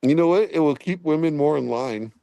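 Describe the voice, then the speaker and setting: A man in his forties, hosting a casual late-night panel chat over a video call, joking and teasing deadpan. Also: a little high, a little fast, creaky, dry recording. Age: 40s.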